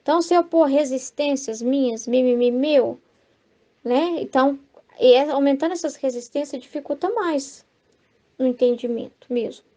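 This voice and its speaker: A woman's voice: sits high, moderate pace, warm tone. A Brazilian woman leading a Catholic devotional study, talking conversationally with frequent "né?" and reading passages aloud. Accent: Brazilian Portuguese. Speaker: Bible study teacher.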